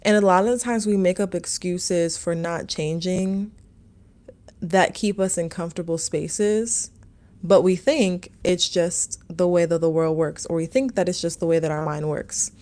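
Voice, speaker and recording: A young woman speaks in a slightly low voice, chatting loosely with her livestream viewers. She rambles and fills her speech with "like" and "um" as she works through their comments. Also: fairly even intonation, unhurried, a little mellow. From Maryland, USA. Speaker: livestream host, meditation teacher. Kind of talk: casual livestream chat answering comments.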